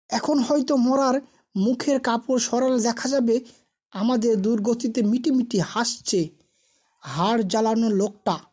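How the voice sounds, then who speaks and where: A woman with a fairly high voice narrates a scripted spooky tale. She reads as a storyteller, telling the ghost story in narrative prose. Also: warm tone.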